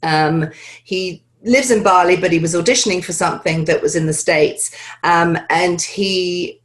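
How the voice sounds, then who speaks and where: A woman's voice: fairly low pitch, unhurried. A woman with a standard British accent, an acting coach explaining accents in a chatty manner full of "you know"s. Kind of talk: conversational podcast explanation.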